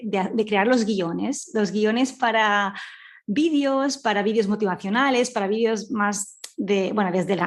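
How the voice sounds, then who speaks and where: Female podcast guest, Spain accent, higher-pitched voice, informal and talkative storyteller. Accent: Spanish from Spain. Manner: chatty, informal, with colloquial asides. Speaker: guest, audio fiction scriptwriter. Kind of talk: casual conversational storytelling.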